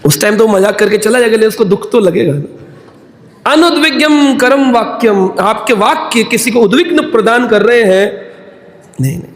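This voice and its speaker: Man with a high voice preaching, chants verses slow then jokes around with examples. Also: echoey room. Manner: chants verses slowly, then explains with playful everyday anecdotes. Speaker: spiritual speaker. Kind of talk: devotional discourse with humorous examples.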